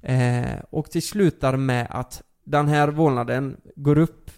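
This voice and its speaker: Gravelly young man telling a story. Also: medium pitch, fairly even intonation, a little mellow. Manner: rambling, many fillers and restarts. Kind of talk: casual storytelling.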